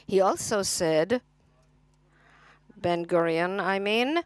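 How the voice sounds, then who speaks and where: A woman interprets a speech at a conference, speaking slowly in a smooth, clear voice. She halts often, restarts her phrasing and fills the gaps with brief fillers. The sound is close and dry. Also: medium pitch, no room sound. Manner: halting, with frequent restarts and fillers. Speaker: simultaneous interpreter. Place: conference hall.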